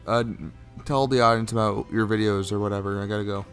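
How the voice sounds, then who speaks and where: A man co-hosting a casual chat, going through a list of games in a relaxed, offhand way with filler words. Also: lowish voice, quick pace, soft background music. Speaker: co-host. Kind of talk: casual chat, game news rundown.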